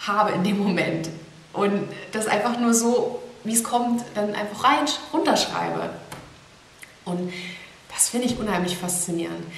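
A young woman sits at her desk and talks straight into a camera in front of her, reflective and a little rambling as she works through her thoughts. Her voice rings in a small, echoey room, with a faint hiss running underneath. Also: mid-range voice. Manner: thoughtful, rambling, gestures a lot. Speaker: blogger. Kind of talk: casual talking-head vlog. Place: small indoor room with plain wall.

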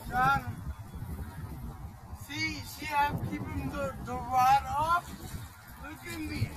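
Excitable young man fishing outdoors. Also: extremely high pitch, slow pace. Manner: excitable, coaching and exclaiming. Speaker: fishing vlogger. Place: outdoors by a canal. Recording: outdoor noise on camera mic.

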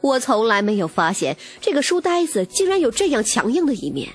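A woman's voice: a little high, very animated, fairly quick, husky. A woman reading a romance novel as dramatic, scripted first-person narration. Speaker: audiobook narrator. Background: music.

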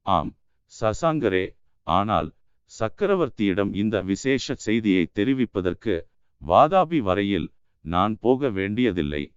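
A man voicing a sly, menacing Buddhist monk who speaks gravely and with veiled threat, in a dry, dull-sounding recording. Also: lowish voice, big pitch swings, slow pace, dry recording. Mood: grave, warning. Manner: mocking, then grave and commanding.

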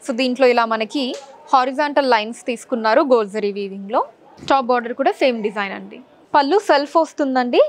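A young woman presenting sarees in a showroom, politely listing colors, designs and prices. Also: on the high side. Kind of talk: product showcase. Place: large saree showroom, indoors.

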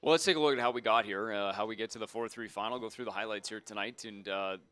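A man in his thirties hosting a post-game hockey show from a TV studio with a handheld mic. He talks fluently with frequent "uh" fillers as he walks through highlights. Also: fast talker, fairly bright tone, clean tone. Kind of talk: sports post-game analysis. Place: TV studio desk.

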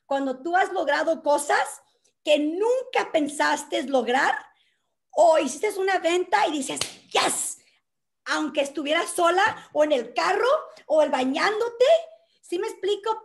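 A woman with a very high voice gives a motivational workshop from her home. She talks with lively energy, dropping English words into her Spanish as she coaches a group. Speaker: workshop host.

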